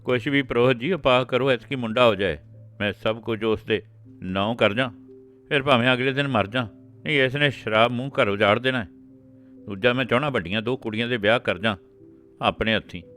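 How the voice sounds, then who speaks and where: An earnest, worried old village patriarch, as a man acts him out in a storybook reading. The voice climbs well above the reader's usual low register and stays a touch louder. Faint instrumental music sits far in the background. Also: brisk, lightly acted. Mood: anxious pleading. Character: older grandfather, anxious village patriarch.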